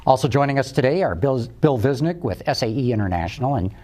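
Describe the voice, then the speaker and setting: A Midwestern man hosting an interview show, his voice a bit husky. His pitch moves in a lively way as he asks folksy, blunt questions. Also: quick pace. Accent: Midwestern American. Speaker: host.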